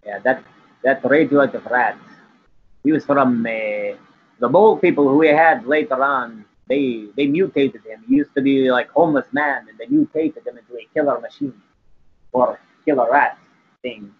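A man playing a laid-back, crude vampire cat count in an improvised comedy interview, rambling in deadpan slang. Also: medium pitch, normal speed, slightly rough, lightly acted. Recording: tinny phone-like line with noise.

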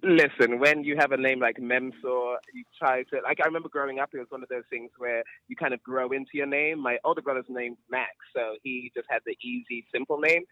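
A celebrity wardrobe stylist with a transatlantic accent, born in New York and raised across Europe and Sierra Leone, chats casually as an interview guest, playfully self-assured and full of anecdotes. His mid-range voice is fairly even in intonation and fairly quick, with hardly any pauses. The recording is muffled with no room sound.

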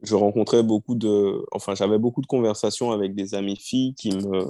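Man, 30s, low warm voice, easygoing storyteller, dry close sound. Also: fairly even intonation, a little fast, no echo. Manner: storytelling, easygoing, frequent fillers. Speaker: singer-songwriter guest. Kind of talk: relaxed interview talk.

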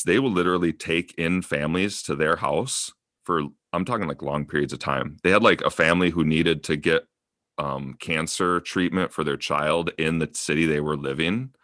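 A man co-hosting a podcast in casual chat, with dry, wry humor and quick asides. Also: rumbling low, a bit bright, dry recording. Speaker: podcast co-host.

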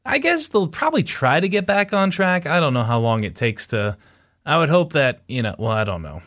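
A man's voice: on the high side, big pitch swings, moderate pace, fairly bright tone. Blunt, rambling podcast host man. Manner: blunt, rambling, swears freely. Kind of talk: casual chat.

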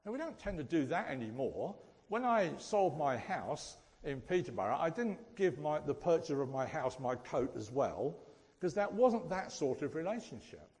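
A man's voice: a little high, big pitch swings, moderate pace, darkish tone. A man with a Suffolk English accent gives an informal teaching sermon, conversational and often checking in with his listeners with questions. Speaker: preacher. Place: large echoing hall, speaking to a group. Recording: reverberant hall.

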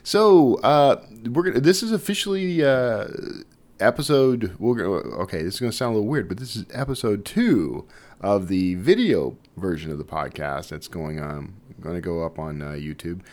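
A man with a low voice hosts a podcast. He talks casually and informally, wandering through his introduction with hesitations and side remarks. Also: lively intonation, moderate pace, a little mellow. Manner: chatty, informal, hesitant and digressive. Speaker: podcast host.

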